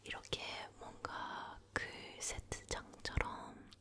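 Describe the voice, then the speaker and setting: An ASMR host, a woman, leans toward the mic and whispers personal stories at a slow pace, gently repeating words in a hushed style.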